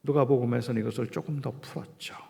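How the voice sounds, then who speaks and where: A middle-aged male pastor preaching and telling a personal story, earnest and heartfelt, often dropping to a soft, hushed voice. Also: mid-range voice, fairly even intonation, fast talker, gravelly, in a large hall.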